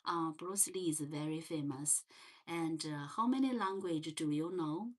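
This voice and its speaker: A woman from China with a Chinese accent, hosting a relaxed livestream chat with viewers and often pausing on fillers. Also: low voice. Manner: slow and gentle, many fillers and restarts. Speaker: livestream host. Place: parents' home.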